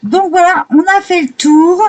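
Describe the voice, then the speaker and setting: Mellow-voiced woman gushing over pages. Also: extremely high pitch, a little slow, low-quality recording. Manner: admiring, exclamatory. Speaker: coloring book reviewer. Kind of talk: casual flip-through commentary.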